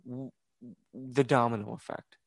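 A man's voice: mid-range voice, steady tone, measured pace, no echo. A young man co-hosting a podcast, chatting casually, agreeable and musing aloud about theories. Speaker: podcast co-host.

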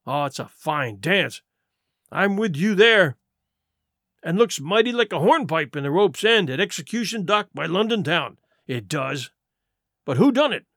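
A man's voice: high-pitched, lively intonation, unhurried, fairly bright tone, dry recording, studio quality, full character voice. A man voicing a cunning, scornful pirate sea cook in an audiobook, with emphatic, sarcastic speech in rustic nautical dialect. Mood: indignant, vehement. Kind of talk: audiobook character acting.

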